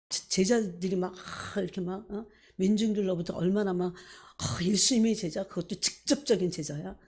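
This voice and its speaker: Woman pastor, sermon delivery, animated and questioning; mellow, slightly breathy tone. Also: medium pitch. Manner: animated, rhetorical questions to the congregation, filler "막" and "예?".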